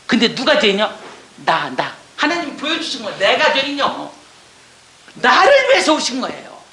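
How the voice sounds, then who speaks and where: A woman's voice: high-pitched, fairly bright tone, echoey room. A woman missionary giving an emotional testimony, earnest and tearful, with many exclamations and rhetorical questions.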